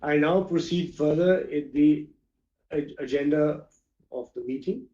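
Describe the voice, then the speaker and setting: A man reading a formal prepared address to a shareholder meeting as company chairperson, in a measured manner. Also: fairly high pitch, dark tone. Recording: dull, roomy video-conference audio.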